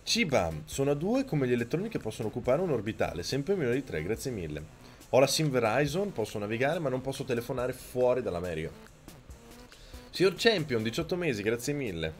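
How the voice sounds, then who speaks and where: Excitable swearing game streamer man. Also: medium pitch, fairly quick, soft background music. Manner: excitable, swears and yells at the game, thanks viewers. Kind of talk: live gameplay commentary. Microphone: microphone very close to the mouth.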